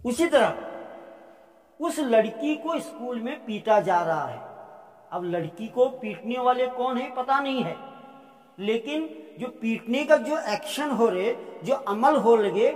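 A man with a very high voice teaches grammar at a slow, deliberate pace. He puts questions to his students, answers each one himself, and sinks low on the answer word. His voice rings with a long, roomy echo. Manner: asks the class questions, then answers them himself; reads each example sentence slowly. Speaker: English teacher. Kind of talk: spoken grammar lesson. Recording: echoey room with long reverb.

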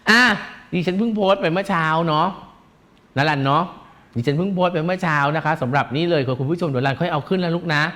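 A man's voice: on the high side, fast, a bit bright. A man hosting a celebrity gossip chat, teasing and giggly, with a camp manner and feminine polite endings. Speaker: gossip show host.

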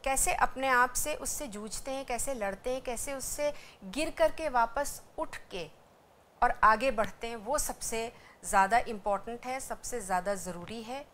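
A woman's voice: fairly high pitch, moderate pace, a bit bright, slight background noise. A woman teaching a language lesson, explaining patiently and repeating syllables one by one for students to practice. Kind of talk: educational lecture.

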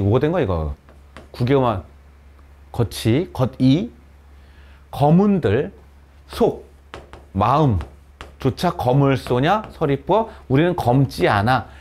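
A man's voice: medium pitch, darkish tone. A man teaching a class of students, often asking them questions and then answering himself. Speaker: Korean literature teacher. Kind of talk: classroom lecture. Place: cram school classroom with students present.

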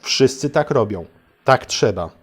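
A man's voice: medium pitch, expressive, measured pace, slightly rough. A man narrating a satirical fairy tale for adults in a theatrical, mock-solemn way, as if addressing children. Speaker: storyteller and channel host.

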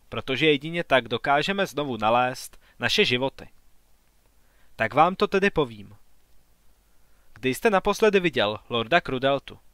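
A man narrating a science fiction audiobook story, reading every character's lines in an even, unhurried voice. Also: medium pitch, dry recording. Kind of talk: scripted narration.

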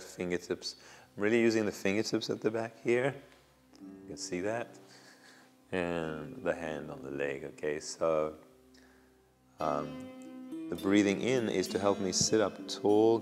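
Middle-aged male yoga teacher, unhurried and soothing; lapel mic in a reverberant studio. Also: deep voice, darkish tone, soft background music. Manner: slow, soothing cues timed to the breath. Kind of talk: guided yoga class instruction. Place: indoor yoga studio with bare walls. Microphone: small clip-on lapel mic.

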